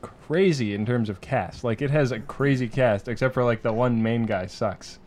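A man's voice: medium pitch, normal speed, darkish tone. A man hosting a casual podcast, joking and self-deprecating, recording at home. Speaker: podcast host. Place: room at home with an open window. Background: street noise through the window.

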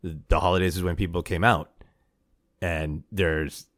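A man's voice: deep voice, fairly even intonation, measured pace, a bit bright, no echo, studio quality. A man hosting a podcast in a casual, playful, wry chat. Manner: chuckles often, wry and playful. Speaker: podcast host.

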